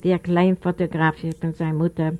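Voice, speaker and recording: A woman reading a novel aloud as an audiobook, in a measured storytelling manner. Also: on the low side, level tone, phone-quality sound. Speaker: audiobook reader. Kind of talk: literary narration. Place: library recording room.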